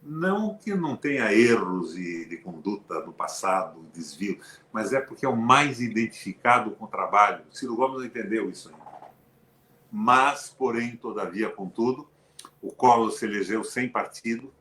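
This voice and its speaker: A man's voice: on the low side, moderate pace, a little hiss or hum. Older brazilian guy ranting about politics, punchy and sarcastic, roomy echo. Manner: emphatic, animated, with sarcastic asides. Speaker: former senator, show host. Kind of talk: political conversation. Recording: echoey room.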